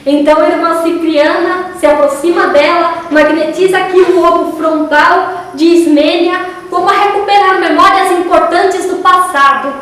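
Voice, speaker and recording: A woman's voice: very high-pitched, normal speed, few pauses. A woman giving a spiritist lecture, animatedly retelling a story. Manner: animated retelling with acted quotes. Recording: echoey hall from far off.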